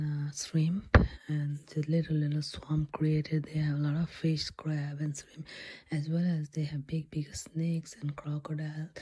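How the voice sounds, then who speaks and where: A woman tells a story in a breathy ASMR whisper. Her delivery is slow and halting, with short phrases and pauses. The tone stays low and even, with a soft, dark color.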